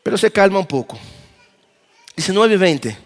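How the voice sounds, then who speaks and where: A man preaching a conference sermon as pastor, with dramatic pauses and moments of acting out dialogue. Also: sits high, sing-song, soft background music. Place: church auditorium. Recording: long reverb of a church hall.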